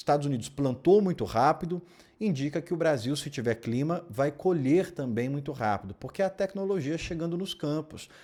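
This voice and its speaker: A man with an unremarkable speaking voice talks at a moderate pace and a fairly high pitch. His intonation is lively, and the recording is very clean with a silent background. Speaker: agricultural market commentator. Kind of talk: market news commentary.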